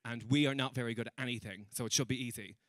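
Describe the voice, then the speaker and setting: A man's voice: mid-range voice, steady tone, very fast, a bit bright, no room sound. A young man doing a stand-up comedy set, chatty and teasing with the crowd and laughing at his own jokes. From Ireland. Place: comedy stage in a room with an audience.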